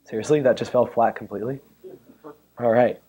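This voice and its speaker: A man with a hoarse, worn-out voice giving a chatty, joking technical talk at a conference and bantering with the audience. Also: medium pitch, fairly even intonation, a little fast, warm tone. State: hoarse, losing his voice. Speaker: conference speaker. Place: conference room. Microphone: handheld or stand mic.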